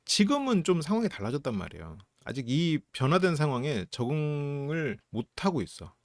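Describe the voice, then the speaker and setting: A man with a fairly high voice comments casually on what he watches, his pitch swinging up and down as he goes. He slips into quick, animated mimicry of other people's lines. The sound is close and dry, with no room around it. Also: no room sound. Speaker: host and psychological counselor. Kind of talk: casual commentary reviewing a show.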